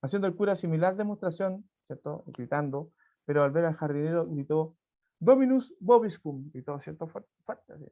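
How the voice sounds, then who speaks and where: A man's voice: fairly high pitch, fairly even intonation, fairly quick, vocal fry, darkish tone. A Chilean male teacher reading and explaining a folk tale in an online class, chatty, full of tag questions and restarts. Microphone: video call. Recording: dull lo-fi video call audio.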